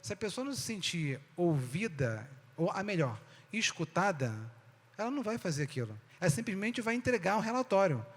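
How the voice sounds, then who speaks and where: A man's voice: high voice, very animated, a little fast. A Brazilian man giving a talk to an audience, with a conversational style full of rhetorical questions. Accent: Brazilian Portuguese. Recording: long hall reverb.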